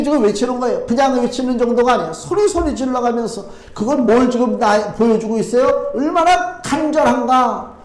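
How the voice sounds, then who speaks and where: Male pastor, high voice, Sunday sermon in a reverberant sanctuary; measured scripture reading, urgent preaching. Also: a little mellow. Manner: reads scripture slower and lower, then preaches with rising urgency. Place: church sanctuary. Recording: echoey church sanctuary.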